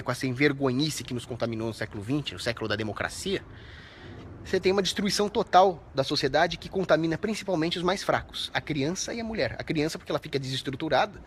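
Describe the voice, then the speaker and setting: Fiery ranting Brazilian man, bright voice. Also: mid-range voice, a little hiss or hum. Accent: Brazilian Portuguese. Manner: ranting, indignant, profane; shouts out viewers' names. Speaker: livestream host. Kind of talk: live commentary reading viewer comments.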